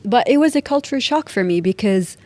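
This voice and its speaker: A woman in her thirties from the United Arab Emirates, a podcast guest talking in an earnest, thoughtful way, building her points in measured, repeated phrases. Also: on the high side, animated, darkish tone, dry recording. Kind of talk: reflective podcast conversation.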